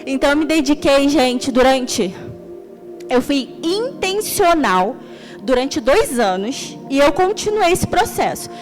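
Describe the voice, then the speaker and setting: A young woman from Rio de Janeiro with a Carioca accent, preaching an extroverted, animated sermon as a church deaconess. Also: high voice, slow, faint music behind. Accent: Carioca Portuguese. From Rio de Janeiro, Brazil. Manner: extroverted, animated storytelling with laughter.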